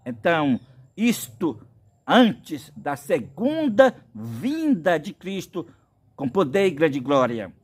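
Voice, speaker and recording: A man's voice: on the high side, big pitch swings, slow pace, slightly rough. A man from Brazil preaching a prophetic sermon, insistent and packed with biblical references.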